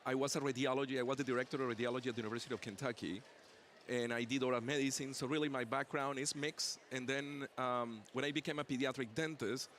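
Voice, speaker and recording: Speaking fast in a fairly bright, medium-pitched voice with fairly even intonation, a pediatric dentist and professor chats casually as an interview guest. He jokes playfully about his own pronunciation, and slight background noise comes from the busy convention exhibit hall where it was recorded.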